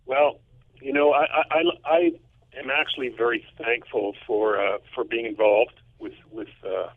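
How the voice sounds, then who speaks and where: A man calling in over a phone line to a casual interview as a composer, speaking in an earnest, halting way. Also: medium pitch, steady tone. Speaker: music composer. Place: remote, calling in. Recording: tinny, muffled phone line.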